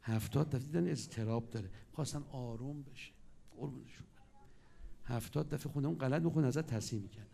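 A man with a gravelly, medium-pitched voice preaches a sermon. He tells stories, abruptly shifting between loud and hushed delivery.

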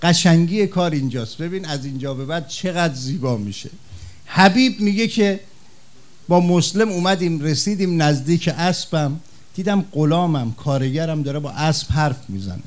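A man delivering a fervent religious sermon, his fairly high voice rising into loud, impassioned cries. He tells stories as he preaches, and his delivery is charged with emotion throughout. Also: lively intonation.

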